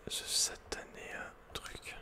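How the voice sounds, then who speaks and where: A man's voice: takes it slowly, sharp tone. A man giving casual, slangy ASMR commentary on a video game, muttering with the odd mild swear word. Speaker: ASMR gaming streamer.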